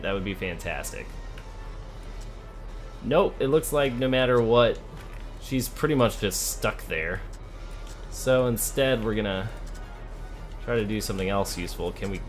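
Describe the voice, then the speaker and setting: A man's voice: mid-range voice, expressive, normal speed, pauses often, soft background music. A man giving casual let's play commentary on a video game, thinking aloud and talking to the characters as he plays. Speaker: gamer playing a video game.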